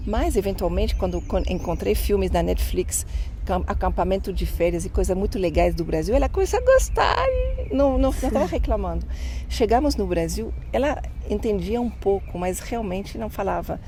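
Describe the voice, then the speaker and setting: Middle-aged woman, French native, mellow dark voice, thoughtful restarts, faint background noise. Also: medium pitch, animated. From Canada. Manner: thoughtful, pauses and restarts words. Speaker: interview guest. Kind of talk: casual interview talk.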